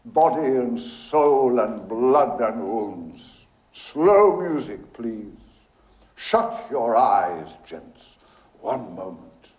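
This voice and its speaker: A man voicing a jaunty, mocking young man who intones in a mock-priestly manner, brisk and gay. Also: mid-range voice, sing-song, darkish tone, roomy sound. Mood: preaching.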